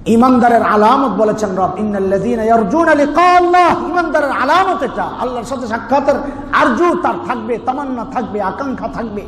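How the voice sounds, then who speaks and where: A Bangladeshi man preaches an Islamic sermon, explaining scripture emphatically and conversationally with recitation, rhetorical questions, and everyday analogies. His very high, fairly bright voice moves fairly quickly. The sound comes from an echoey, reverberant hall with background noise.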